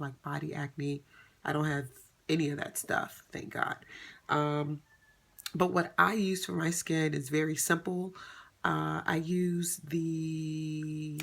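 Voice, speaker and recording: A woman's voice: low voice, creaky, a bit bright. A woman in her thirties chatting casually to camera as a vlogger, rambling with many ums and self-corrections. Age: 30s. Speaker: beauty vlogger.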